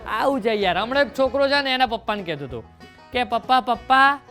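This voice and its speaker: A man performing stand-up comedy, telling jokes and stories to the audience in a lively way. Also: very high voice, fast, faint music behind, some chatter behind.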